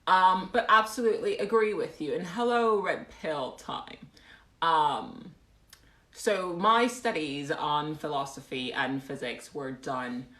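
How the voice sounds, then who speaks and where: Slow-talking woman with a put-on British accent. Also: deep voice, expressive, fairly bright tone. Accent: put-on, amateur British. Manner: self-deprecating, wry. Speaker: live streamer. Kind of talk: casual livestream chat, reading out comments. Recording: roomy indoor echo.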